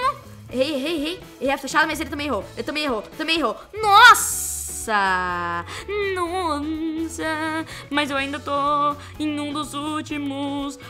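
A young Brazilian woman with a Brazilian Portuguese accent, commenting excitedly on her own gameplay and repeating her exclamations. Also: sits high. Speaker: gaming youtuber.

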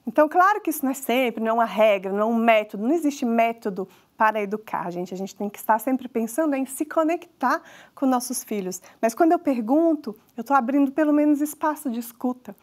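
A woman's voice: on the high side, lively intonation, quick pace. A woman and mother with a Brazilian accent, giving a conversational lecture to parents and talking straight to the audience. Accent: Brazilian Portuguese. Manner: conversational, addresses audience directly. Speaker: parenting talk speaker.

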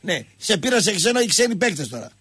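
A man's voice: high voice, very animated, fairly bright tone, husky. A man hosting a call-in radio show, talking with callers in an emphatic, preachy way.

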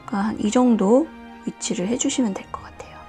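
A woman hosting a nail art and drawing tutorial, talking calmly step by step and often dropping to a whisper. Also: a little high, faint music behind. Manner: calm, slow, often drops to a whisper. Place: indoors at a desk, hands on camera.

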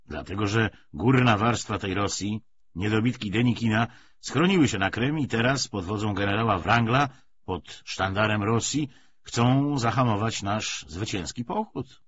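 A man's voice: fairly low pitch, a bit bright, breathy edge, full character voice. A man reading an audiobook, voicing a weary, cynical, persuasive Bolshevik official with emphatic, hesitating, rhetorical speech. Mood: dismissive, confident. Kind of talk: dramatised audiobook dialogue. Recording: dull lo-fi audio, faint noise.

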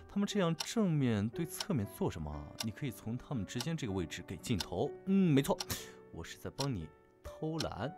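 A man acting a calm, gently teasing young artist in an audio drama. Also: medium pitch, close to an everyday voice. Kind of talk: fan audio drama dialogue.

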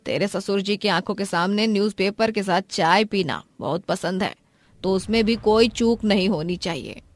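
A woman's voice: mid-range voice, no room sound, natural voice. Woman acting a stern, bossy Indian mother-in-law. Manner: commanding, scolding. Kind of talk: Hindi animated family drama voice acting.

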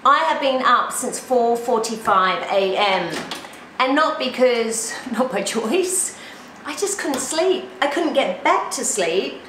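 A tired but upbeat woman in her forties with a New Zealand accent chats to camera in her kitchen at home. Her voice sits a little high. The room around her rings with echo, and a light hiss sits under everything. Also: lively intonation, slow. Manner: chatty and upbeat, laughs often. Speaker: lifestyle vlogger. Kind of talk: casual talk to camera while cooking.

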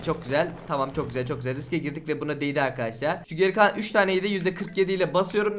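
Fast-talking excitable young gaming host. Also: male voice, a little high. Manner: excitable, exasperated, swings between groans and shouts; addresses viewers directly. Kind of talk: gameplay commentary.

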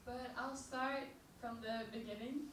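A woman's voice: on the high side, steady tone, a bit bright. Young Norwegian woman on a stage mic. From Norway. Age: 20s. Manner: pauses after each sentence. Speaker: speaker sharing her testimony. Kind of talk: personal testimony in short phrases for an interpreter. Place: small dark music venue stage. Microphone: handheld microphone. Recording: roomy, noisy venue, from far off.

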